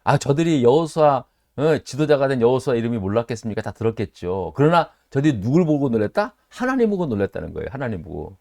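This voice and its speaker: A middle-aged man pastor leading a Bible study sermon, speaking in an animated way, asking his listeners rhetorical questions and acting out quoted voices. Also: fast talker, creaky, few pauses, no room sound, studio quality. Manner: acts out quoted voices with sudden jumps in pitch.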